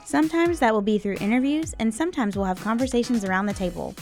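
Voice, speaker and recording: A woman's voice: a little high, quick pace, a little mellow, soft background music. A woman hosting a podcast, welcoming a guest and asking questions. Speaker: podcast host. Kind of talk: casual interview conversation.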